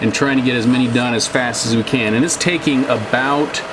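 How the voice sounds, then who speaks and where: A man's medium-pitched voice at a fairly quick pace, ordinary pitch variation, audible room echo and noticeable background noise. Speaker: rancher and vlogger. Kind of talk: casual vlog narration. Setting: outdoors. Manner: fast.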